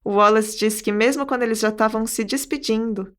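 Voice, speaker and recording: Brazilian woman co-host, reads a script conversationally, slightly high register. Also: fairly even intonation, brisk, fairly bright tone, smooth. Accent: Brazilian Portuguese. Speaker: podcast host. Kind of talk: scripted narration.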